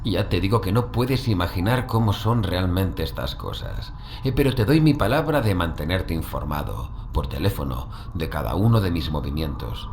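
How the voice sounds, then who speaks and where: An actor playing a cool, condescending occult investigator from in a horror audio drama, calm and assured. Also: male voice, sits low, moderate pace. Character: coolly imperturbable, condescending male occult investigator. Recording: faint outdoor ambience noise.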